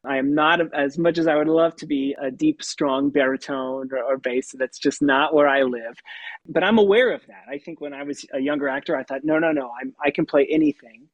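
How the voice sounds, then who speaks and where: A puppeteer and voice actor talking through his craft in an interview, with a light, youthful tenor voice and an animated manner that breaks into laughs. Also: fairly high pitch, a little fast, dry recording, lo-fi sound. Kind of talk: conversational interview answers.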